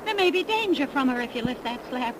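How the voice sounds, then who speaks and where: An actress playing a brave young nurse in a 1930s radio horror drama, speaking earnestly. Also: female voice, high voice, expressive, quick pace. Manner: earnest, anxious. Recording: hissy 1930s radio recording.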